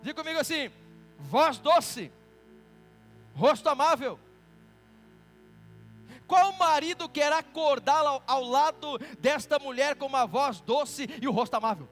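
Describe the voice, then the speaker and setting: A Brazilian pastor with a very high voice preaches in a lively, teasing way and pulls the congregation into call-and-response. Soft music plays under his voice. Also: normal speed, hardly any pauses. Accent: Brazilian Portuguese. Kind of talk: sermon. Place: church.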